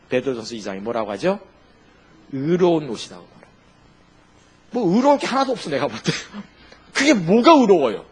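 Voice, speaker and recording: Husky Korean pastor with lively pitch. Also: male voice. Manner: asks the congregation questions and answers them himself, with lively emphasis. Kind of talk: sermon.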